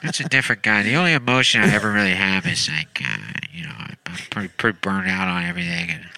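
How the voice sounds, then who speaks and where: A man in his thirties voicing a burned-out, gloomy male caller in his thirties, talking in a hesitant, deadpan mumble. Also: low voice, quick pace, vocal fry, full character voice. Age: 30s. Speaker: prank caller.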